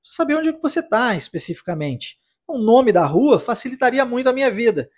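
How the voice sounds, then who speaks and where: A man's voice: very high voice, big pitch swings, brisk, husky. A man raised in the United States who teaches English on a podcast, explaining phrases in Portuguese and repeating them for the listener to practise. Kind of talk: podcast language lesson.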